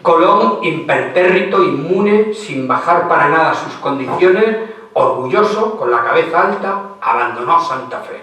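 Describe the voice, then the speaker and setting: Theatrical older lecturer in an echoey hall. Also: male voice, a little high, measured pace. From Spain. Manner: lively, theatrical, acts out dialogue of historical figures. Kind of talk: storytelling lecture. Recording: echoey hall, distant mic.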